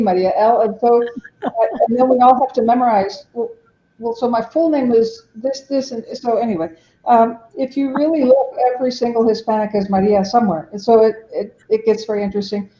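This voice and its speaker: A woman's voice: a little high, dark tone. A woman raised in Mexico, a ministry director and podcast guest, explaining her work in an earnest way and acting out what other people say. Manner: earnest, explanatory, acts out quotes. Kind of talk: podcast interview. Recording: dull, roomy remote audio.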